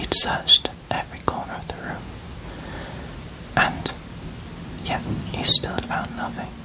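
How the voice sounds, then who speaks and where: Whispering with long, frequent pauses over noticeable background noise. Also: man. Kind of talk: ASMR scary story telling. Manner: slow, calm storytelling.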